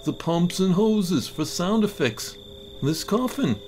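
A man's voice: high voice, expressive, slow, a little mellow, soft background music. A man voicing a dim, stammering accomplice in a dramatized horror story. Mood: amused, explaining. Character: nervous, dim male accomplice in a prank.

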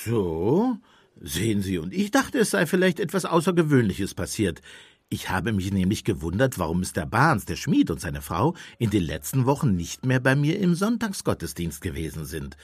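An actor playing a genial, slyly inquisitive village priest in a radio play, courteous and gently probing. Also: male voice, on the low side, wildly swooping pitch, normal speed, husky, no echo, exaggerated voice. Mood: slyly curious. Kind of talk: German radio play acting.

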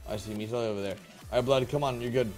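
A man's voice: mid-range voice, rapid-fire. A young man streaming a multiplayer survival game, joking and calling out to his teammates. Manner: joking, excitable, chanting repeated phrases. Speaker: gameplay streamer. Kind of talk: casual multiplayer game chat. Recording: faint background music.

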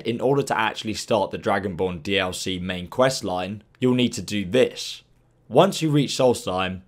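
A man hosting a game walkthrough, explaining steps in an upbeat, instructive way, his voice croaky from a long stream. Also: fairly low pitch. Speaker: gaming guide host.

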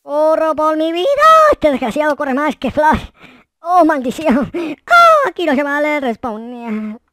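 A very animated, high-pitched voice hosting a gaming video. The delivery is theatrical and slangy, full of exclamations, captured close and dry on the microphone. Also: a little slow, no echo. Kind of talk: excited gaming commentary with roleplay.

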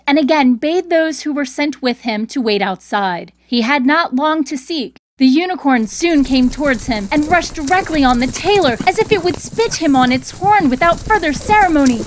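A woman's voice: high-pitched, slight background noise. A woman storyteller reading a scripted fairy tale narration.

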